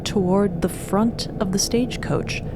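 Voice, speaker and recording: A woman's voice: mid-range voice, fairly even intonation, unhurried, background noise. A woman narrating a scripted audio drama.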